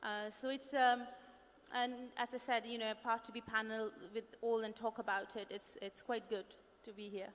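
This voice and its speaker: A woman's voice: a little high, flat delivery, normal speed. A woman chef speaking on a conference panel, telling stories with hesitant fillers into a handheld mic. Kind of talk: panel discussion on stage. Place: large conference stage. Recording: long hall reverb.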